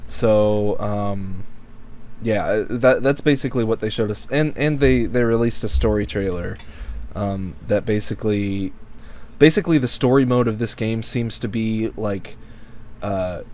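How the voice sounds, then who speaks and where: A man's voice: fairly low pitch, measured pace, a little mellow. A man co-hosting a casual game podcast who rambles through his points with lots of fillers and restarts, hiccuping now and then. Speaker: podcast co-host. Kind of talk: casual chat.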